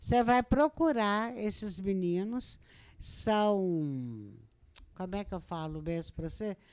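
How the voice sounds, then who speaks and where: Recorded very cleanly against a silent background, a woman with a medium pitch talks very slowly while her pitch swings very widely. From Minas Gerais, Brazil. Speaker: radio host. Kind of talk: radio interview. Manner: animated.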